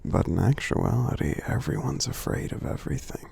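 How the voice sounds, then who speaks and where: A man voicing a friendly, kindly giant in an ASMR roleplay, speaking softly and breathily with a gravelly edge, in a tender, halting, encouraging way. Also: mid-range voice, big pitch swings, heavily acted. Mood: earnest, encouraging. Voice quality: soft, breathy, half-whispered, gravelly. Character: gentle friendly male giant, kindly and reassuring.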